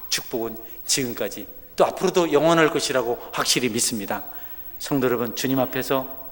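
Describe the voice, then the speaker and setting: Fervent preaching man in a reverberant church. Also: mid-range voice. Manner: fervent, swings from loud preaching to hushed storytelling. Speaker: pastor. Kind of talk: sermon. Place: church sanctuary.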